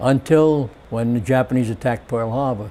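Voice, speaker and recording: A man speaks at a moderate pace with a New York accent. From New York City, Brooklyn (Flatbush). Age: 80s+. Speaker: war veteran. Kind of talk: oral history testimony. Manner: halting.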